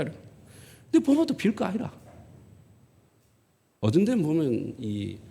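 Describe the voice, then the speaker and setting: A man's voice: medium pitch, creaky. An older man with a Gyeongsang accent preaching a sermon as a pastor, telling stories and acting out conversations in dialect. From South Korea. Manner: lively storytelling, acting out dialogue in dialect. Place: church sanctuary. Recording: long church hall reverb.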